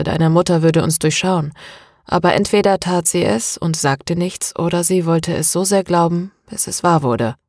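A woman reading a calm, weary father. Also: low voice, no room sound, studio quality. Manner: calm, even and measured. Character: calm, weary middle-aged father confessing.

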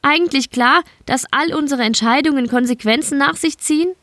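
A woman's voice: on the high side, moderate pace, no echo, voice pushed up, natural voice. A bitter, beaten young woman guard speaks in a raised, reproachful voice, pointed and accusing, as a woman narrator puts her on. The audiobook sound is dry and close.

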